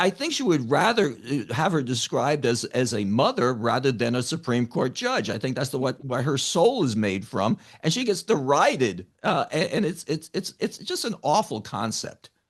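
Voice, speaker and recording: A man's fairly high pitch in very wide swings, at a moderate pace against a quiet background. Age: 70s. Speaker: radio show and podcast host. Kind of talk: interview. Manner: halting, many repetitions.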